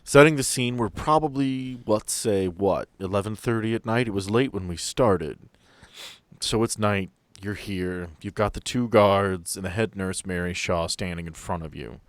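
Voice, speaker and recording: A man's voice: on the low side, normal speed, dry recording. A man running a tabletop game as game master, playful and joking with his players.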